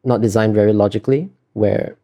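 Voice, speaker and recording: A man's voice: on the low side, fairly even intonation, brisk, warm tone. A man being interviewed as an artist, talking casually and explaining in a hesitant, self-correcting way.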